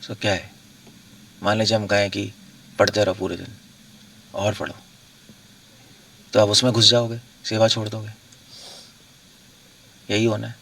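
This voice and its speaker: Gravelly man talking off-mic. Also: lowish voice, level tone, a little slow, pauses often, a bit bright, recorded from a distance. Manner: conversational, repeats points, chuckles. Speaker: monk giving spiritual guidance. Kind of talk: informal spiritual discourse.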